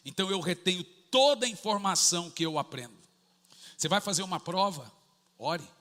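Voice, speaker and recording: Animated pastor with a high, bright voice. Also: male voice, big-room sound. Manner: animated, acts out family dialogue, bursts into shouts. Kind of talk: sermon with personal storytelling.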